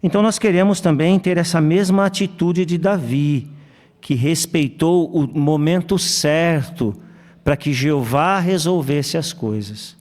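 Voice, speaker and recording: A man leading a congregation Bible study who speaks hesitantly, with fillers and pauses. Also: on the high side, a little mellow. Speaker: study conductor. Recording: hall reverb.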